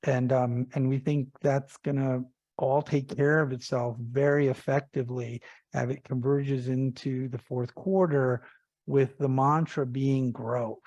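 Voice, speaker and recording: A man's voice: mid-range voice, little pitch movement, a little slow, darkish tone, dry recording, dull audio. A man speaking as a company executive, answering investor questions on an earnings call and repeating phrases for emphasis.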